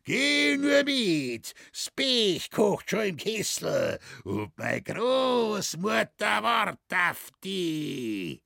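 A man voicing a Bavarian countryman pretending to be the devil, with a slow, menacing, booming delivery. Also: wildly swooping pitch, creaky, pushed and bright, no room sound, studio quality, exaggerated voice. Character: gruff rustic man posing as the devil.

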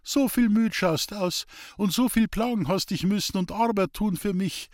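A man's voice: high-pitched, normal speed, darkish tone, no echo, studio quality, voice pushed up, lightly acted. A man voicing a sick, bedridden village man, emotional and stammering in his gratitude.

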